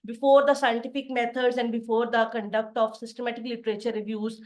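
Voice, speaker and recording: A middle-aged woman from Pakistan gives an online lecture over a video call. Her voice sits a little high, and she explains her points plainly, step by step. She pauses often with "uh" as she goes. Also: level tone, darkish tone. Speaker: assistant professor giving a webinar lecture. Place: home study with bookshelves behind.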